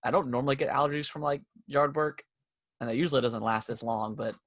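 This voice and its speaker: A young podcast co-host, stuffy from allergies, talks fast from his home office in a medium-pitched, fairly bright voice. His casual chat rambles with plenty of fillers and restarts, recorded at a desk setup with a camera and no room sound.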